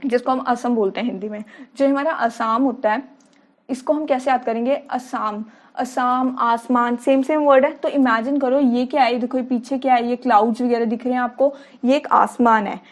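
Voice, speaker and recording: A woman teacher explaining memory tricks to students, asking questions and answering them herself while repeating key words. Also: fairly high pitch. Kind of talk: mnemonic lesson for students.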